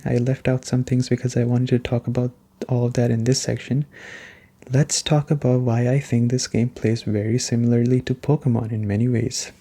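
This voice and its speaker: A man giving a casual, soft-spoken ASMR video game review in a conversational way. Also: medium pitch.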